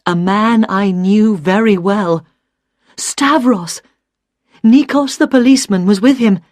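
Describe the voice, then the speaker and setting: A woman reading a story aloud for English learners, clear and deliberate. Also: mid-range voice, darkish tone, no room sound, clean studio sound. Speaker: narrator.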